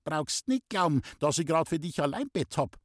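A man reading an audiobook, voicing a sharp-tongued old village mother in a Bavarian accent, fussy and scolding. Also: on the high side, big pitch swings, normal speed, no room sound, clean studio sound, voice pushed up. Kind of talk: audiobook character voice.

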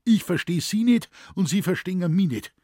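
A man's voice: high voice, lively intonation, normal speed, dark tone, no room sound, studio quality, pitched above the performer's own voice. A man voicing a grumbling old Bavarian forest warden in broad dialect, speaking raised and flustered. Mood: exasperated.

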